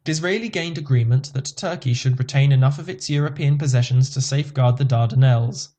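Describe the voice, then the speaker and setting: Man reading an encyclopedia article, warm tone. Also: medium pitch, fairly quick. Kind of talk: scripted narration.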